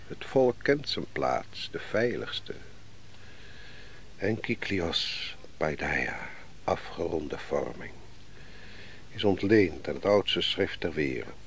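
A brooding nobleman of a fallen kingdom in a radio play. His voice is very low and gravelly, and he declaims slowly and solemnly. A faint noise lies over the old recording. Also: big pitch swings, exaggerated voice. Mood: bitter, grand. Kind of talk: theatrical Dutch radio play acting.

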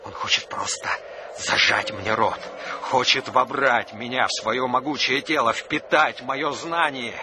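Male actor as haunted man under siege, stubborn, intense dramatic storytelling, mid-pitched, radio play with clearly noisy background. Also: measured pace, natural voice. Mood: grim, haunted. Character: haunted, stubborn man besieged by a living wind.

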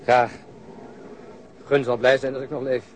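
A man's voice: medium pitch, little pitch movement, unhurried, natural voice, rough recording. An actor playing a weary, matter-of-fact wounded policeman in a naturalistic radio drama, speaking bluntly. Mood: subdued.

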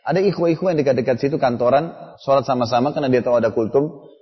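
A man's voice: medium pitch, rapid-fire. A middle-aged man giving a religious lecture, telling family stories in a conversational way and acting out dialogue. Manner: storytelling, conversational with quoted dialogue. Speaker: preacher. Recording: dull lo-fi audio with long hall reverb.

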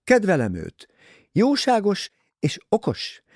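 A man's voice: high voice, wildly swooping pitch, darkish tone, dry recording, studio quality, voice pushed up, full character voice. A man voicing a blunt, earnest young woman. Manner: frank, matter-of-fact retorts.

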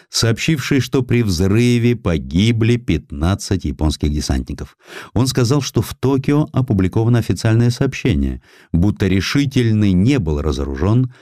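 A man with a low, dark-toned voice reads historical prose in a dramatic storytelling style. His delivery is measured and expressive. The sound is close and very dry, as from a studio microphone. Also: dry recording. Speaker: audiobook narrator.

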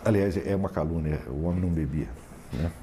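A man's voice: low-pitched, fast, background noise. A man giving a philosophy lecture to a class, emphatic and sardonic, often asking for assent.

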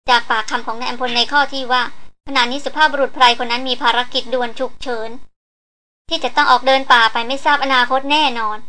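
A woman's voice: high voice, steady tone, fast, sharp tone. A woman narrating a novel aloud, voicing the characters' dialogue as she reads. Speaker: audiobook narrator. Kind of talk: novel reading with character voices.

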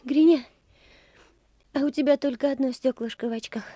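High-voiced, earnest little girl. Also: moderate pace, mellow, dry recording. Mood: anxious, tender. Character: earnest young girl, army commander's brave daughter. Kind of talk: Soviet radio play acting.

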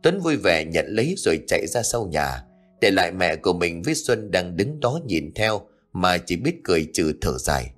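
A man narrating a scripted ghost story in a steady storytelling read. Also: deep voice, normal speed, faint music behind.

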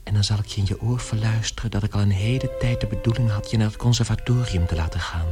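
A man acts out a man who has become an insect, murmuring possessive devotion in a low voice. It is an intimate, yearning radio play monologue, with music clearly behind it. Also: fairly even intonation, fast, close to an everyday voice. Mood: tender longing. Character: man turned insect, tender, possessive brother dreaming aloud.

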